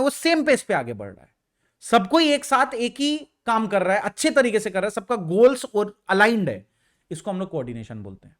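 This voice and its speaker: This young man's voice is extremely high-pitched and a bit bright. Running an exam revision lecture, he keeps his explanations relaxed, switches between Hindi and English, and keeps quizzing his students.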